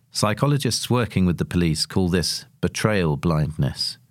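A man's voice: low voice, a little mellow, no room sound, clean studio sound. A man reading a scripted long-form article as narrator.

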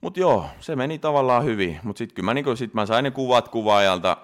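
A man's voice: mid-range voice, expressive. A man in his thirties, a competitor, telling a story in a casual interview with many restarts and fillers. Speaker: bodybuilding competitor guest.

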